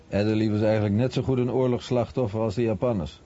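Guy doing a translated voiceover for radio doc, mellow, bit muffled. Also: fairly low pitch, steady tone, quick pace, faint music behind. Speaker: voice-over translator. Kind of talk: scripted documentary voice-over.

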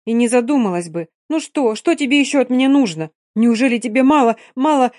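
A woman's voice: on the high side, expressive, fairly quick, dry recording, studio quality, voice pushed up, close to an everyday voice. A woman reading a novel aloud, voicing a proud young Gypsy singer who speaks sharply and with passion. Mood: furious. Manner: sharp, impassioned.

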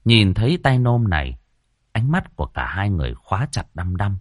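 A man narrating a story in a lively, colloquial way. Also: lowish voice, moderate pace, dry recording, studio quality.

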